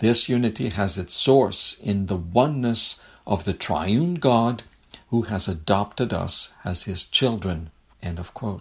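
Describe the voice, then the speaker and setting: Somewhat breathy and fairly low in pitch, a man speaks at a fairly slow pace. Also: lively intonation. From Quebec. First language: French. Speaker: theology professor. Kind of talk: reading aloud.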